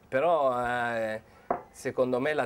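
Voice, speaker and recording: A man talks with ordinary pitch variation. Background noise is noticeable. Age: 30s. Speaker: futsal goalkeeper; interview guest. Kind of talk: interview at a lunch table. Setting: restaurant. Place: cafe. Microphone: lapel.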